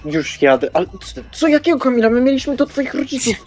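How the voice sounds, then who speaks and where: A man's voice: very high voice, sing-song, quick pace, darkish tone, pitched above the performer's own voice, full character voice. An agitated, suspicious vampire, acted by a man in a tabletop horror game. He sounds exasperated and insistent in his questioning. Faint music plays behind the voice. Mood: suspicious, tense. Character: agitated, suspicious, hungry male vampire driver. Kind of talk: improvised tabletop roleplay acting.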